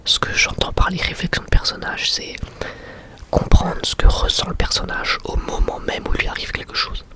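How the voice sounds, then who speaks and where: A young adult man gives an informal, slangy ASMR review in a breathy, unvoiced whisper. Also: normal speed. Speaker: ASMR creator and anime reviewer.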